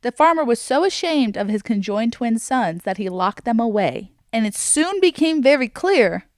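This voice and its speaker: A woman's voice: fairly high pitch, sing-song, moderate pace, dry recording, studio quality. A woman hosting a video, telling a film's story casually with wry, dramatic emphasis. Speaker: video host. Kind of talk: casual film commentary and storytelling.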